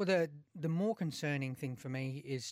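The recording is very clean, with a silent background, and the sound is dry and close with no echo. A man with an Australian accent speaks at a fairly high pitch. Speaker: former footballer turned radio co-host. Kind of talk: sports talk radio. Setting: studio.

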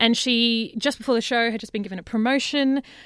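With an Australian accent, a woman speaks at a fairly high pitch with ordinary pitch variation, in a dry, close sound with no echo on a very clean recording with a silent background. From Australia, central west New South Wales. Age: young. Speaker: opera singer. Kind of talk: casual chat.

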